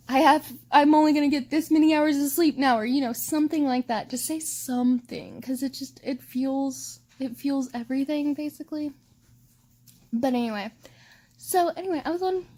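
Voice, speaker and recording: High-voiced, dramatic woman vlogging. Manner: animated and overdramatic, heavy use of "like". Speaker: book vlogger. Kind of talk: casual vlog chat to camera.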